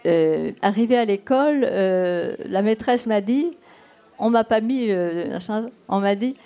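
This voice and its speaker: A woman's voice: medium pitch, expressive, measured pace, mellow. A woman in her eighties from Brittany, whose first language is Breton, answering interview questions as a documentary filmmaker and telling her stories unhurriedly while she thinks aloud. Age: 80s.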